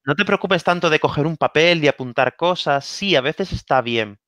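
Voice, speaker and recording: A guest from Spain, Spanish-accented, talks through language-learning advice in a relaxed online interview. Animated, he repeats key phrases and checks in with "¿vale?", his fairly high voice bright and forceful at normal speed, recorded dry and close without echo.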